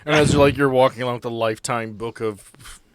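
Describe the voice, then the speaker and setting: A man's voice: medium pitch, steady tone, fast, clear, resonant tone, no room sound. A man narrating a tabletop game as game master in a casual, conversational style.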